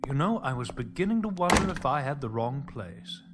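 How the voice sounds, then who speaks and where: A man's voice: medium pitch, sing-song, fairly quick, loud music behind the voice, close to an everyday voice. A male actor as a wry, insolent schemer in an audio drama. His mid-range voice moves animatedly up and down, dripping sarcasm. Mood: sardonic, probing. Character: sardonic, insolent male conspirator.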